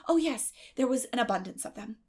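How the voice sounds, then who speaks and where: Storybook orphan girl, eleven: high-pitched, breathy, theatrical, eager and emotional. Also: expressive, a little fast, darkish tone. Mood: reproachful, wistful.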